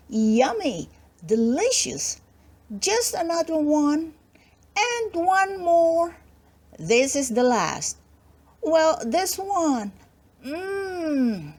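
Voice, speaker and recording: Little Red Riding Hood, as a woman reads her: high, sweet little girl. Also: very slow, full character voice. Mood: delighted. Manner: sweet, excitable. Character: little girl, eager and easily distracted.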